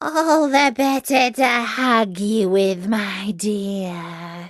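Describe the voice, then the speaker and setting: Using a put-on character voice, a female-sounding speaker talks at a very slow pace with a medium pitch. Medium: read story. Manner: sly, deceptive.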